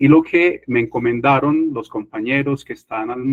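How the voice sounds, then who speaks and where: Fairly even intonation and a moderate pace from a man with a medium pitch. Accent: paisa Colombian. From Colombia, Medellín (paisa region). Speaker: teacher and test-prep lecturer. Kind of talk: lecture.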